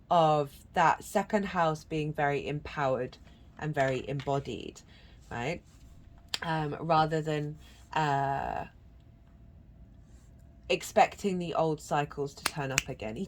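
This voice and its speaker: A woman giving a channelled tarot reading, congested from a cold. She talks in an earnest, meandering way with many restarts and breaks into chanted syllables. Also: sits low. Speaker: tarot reader.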